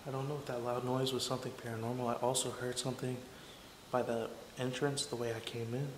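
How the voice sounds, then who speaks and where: An urban explorer, a young man, talks fast to his handheld camera while walking a big empty house, his mid-range voice fairly level with little pitch movement. Awed and on edge, he calls into the rooms and then drops to a whisper. The bare rooms echo, and faint hiss lies beneath the audio.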